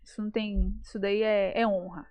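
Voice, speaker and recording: A Brazilian woman speaking as a guest in a casual podcast interview, animated and playful, often addressing the audience directly. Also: mid-range voice, a little fast. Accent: Brazilian Portuguese.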